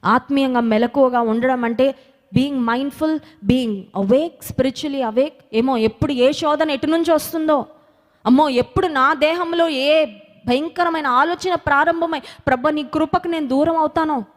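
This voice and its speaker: A woman's voice: high-pitched, unhurried. A woman preacher, giving a sermon and leading prayer, repeating phrases and asking herself questions. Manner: repeats phrases, asks and answers her own questions, drops into English. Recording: long hall reverb with music behind.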